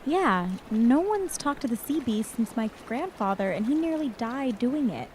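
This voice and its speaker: A woman playing an excitable, fretful young woman in an audio drama. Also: a little high, a little slow, a little hiss or hum. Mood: alarmed.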